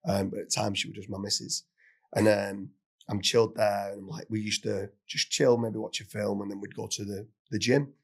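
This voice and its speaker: A man hosting a podcast, telling a funny story in a casual, animated way with plenty of swearing and laughter. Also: lowish voice, brisk, slightly rough. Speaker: podcast host.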